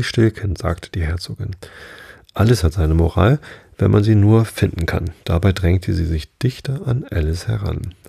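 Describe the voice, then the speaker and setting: A man reading a story aloud in a calm, soothing bedtime manner, sometimes stumbling over long sentences. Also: low voice, creaky, breathy edge, dry recording, studio quality. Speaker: podcast host and reader.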